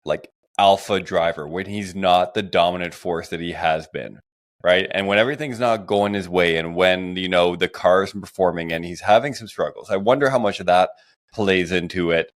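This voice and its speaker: Deep-voiced man hosting a sports discussion. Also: normal speed. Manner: reflective, builds up long questions. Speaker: podcast host posing questions.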